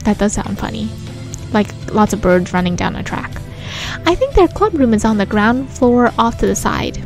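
A woman's voice: medium pitch, expressive, moderate pace. A woman hosting a let's play, reading a visual novel aloud and adding casual commentary. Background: game music.

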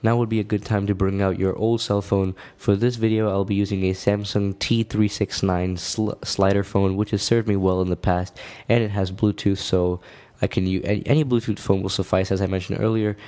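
A man with a fairly low, dark-toned voice hosts a tech tutorial, walking viewers step by step through a how-to in casual, informal language. His delivery is flat and a little fast.

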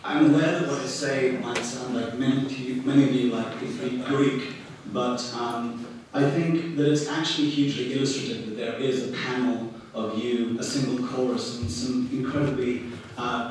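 Measured man speaking from a hall's floor. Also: mid-range voice, steady tone. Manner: deliberate, measured, hesitant restarts. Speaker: audience member asking a question. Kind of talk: public debate comment. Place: large conference hall, in the audience. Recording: echoey hall, distant mic, faint noise.

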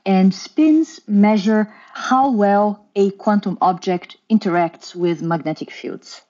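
A woman's voice: mid-range voice, takes it slowly, warm tone, dull audio. A woman in her thirties from Brazil, with a Brazilian Portuguese accent, explaining her research carefully as a podcast guest. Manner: careful, explanatory, with occasional restarts. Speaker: guest scientist.

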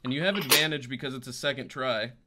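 A man in his thirties narrating a tabletop roleplaying game off the cuff as game master, pausing to find his words. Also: medium pitch, heavy background noise. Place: indoor room at home, on a video call.

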